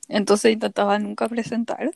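Gravelly young Chilean woman. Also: medium pitch, normal speed, no echo. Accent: Chilean Spanish. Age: young adult. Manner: animated storytelling, acts out quotes. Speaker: podcast co-host. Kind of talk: casual chat.

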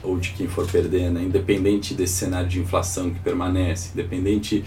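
A man's voice: deep voice, flat delivery, a little fast, darkish tone. A Brazilian man hosting a live financial morning call, talking informally, his voice congested and sore from a cold, as if his tonsils were swollen. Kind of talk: informal live market commentary with audience questions. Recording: distant mic with faint background noise.

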